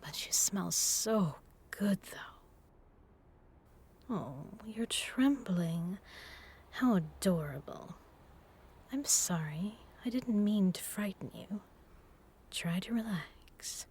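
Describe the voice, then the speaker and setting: A woman's voice: mid-range voice, lively intonation, slow pace, pauses often, darkish tone, slightly rough, heavily acted. A woman playing a seductive, menacing vampire in an intimate audio roleplay, teasing and purring, often dropping to a whisper. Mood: hungry, seductive. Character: seductive, menacing female vampire predator toying with prey. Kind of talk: intimate hypnotic audio roleplay, slow and breathy.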